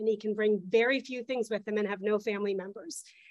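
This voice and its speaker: A woman with a fairly high pitch uses a plain, everyday voice, speaking at a moderate pace with ordinary pitch variation. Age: 40s. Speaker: medical ethnographer, researcher. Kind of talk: webinar panel discussion. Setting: online video call.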